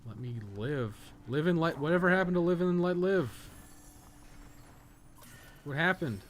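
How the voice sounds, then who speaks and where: A man's voice: on the high side, animated, a little slow, slight background noise. A man chatting casually on a live game stream, rambling through blunt opinions with plenty of swearing. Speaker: game streamer and podcast host.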